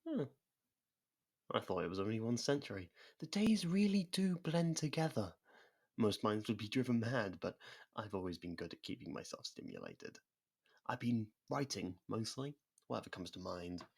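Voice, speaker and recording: A performer voicing a sadistic, centuries-old vampire in an ASMR roleplay, theatrical and mocking, slipping into slow whispers. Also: mid-range voice, very animated, creaky, darkish tone, breathy edge, heavily acted. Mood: smug, curious.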